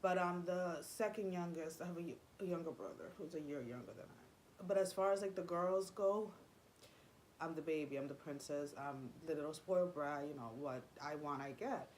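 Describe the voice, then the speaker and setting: Young woman, spanish is her first language, talks low and loose, lots of ums and likes, bit of faint room hum behind her. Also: moderate pace, darkish tone, rough recording. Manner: rambling, confiding, many fillers and restarts. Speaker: vlogger. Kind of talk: personal storytelling vlog.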